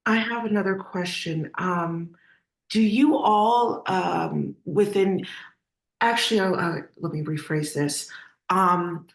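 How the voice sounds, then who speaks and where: A woman's voice: on the low side, slow pace. A woman interviewer asking questions in a casual, conversational way, hesitantly rewording as she goes. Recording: echoey, roomy sound.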